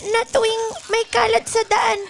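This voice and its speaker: Shrill, jolly dwarf queen. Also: little pitch movement, a little slow, heavily acted. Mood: tearful farewell. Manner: theatrical, exclamatory. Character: jolly, emotional dwarf queen, grand and high-voiced. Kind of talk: improvised live radio drama. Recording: clear background noise.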